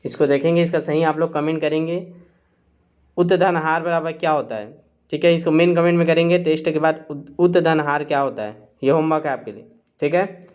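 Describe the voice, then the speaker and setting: With a slightly high, darkish voice and a somewhat quick pace, a man leads a live online exam-prep quiz session in dull-sounding audio. He reads options aloud and keeps coaxing students, saying "theek hai" and "chaliega" again and again.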